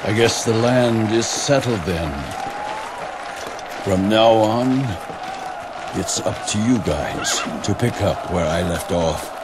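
An actor voicing a weary, easygoing male warrior stepping aside, in a video game cutscene, relaxed and low-key. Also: slow pace, very noisy. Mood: wistful. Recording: game cutscene with loud crowd ambience.

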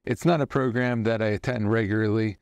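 A man in his thirties, a trauma therapist, giving a measured, thoughtful lesson to camera in a study lined with bookshelves. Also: lowish voice, fairly even intonation, darkish tone, no echo, clean studio sound. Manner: measured, thoughtful explaining with hand gestures. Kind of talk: educational talk to camera.

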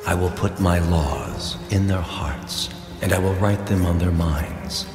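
An actor voicing God as a solemn, commanding divine being in a dramatized scripture reading, measured in delivery. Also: male voice, sits low. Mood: solemn, authoritative. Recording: reverberant hall effect under music.

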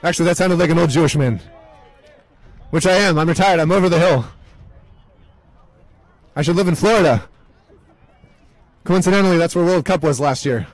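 Young man, high voice, sports commentator, deadpan joking asides, live play-by-play. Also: moderate pace, pauses often, no echo, low-quality recording.

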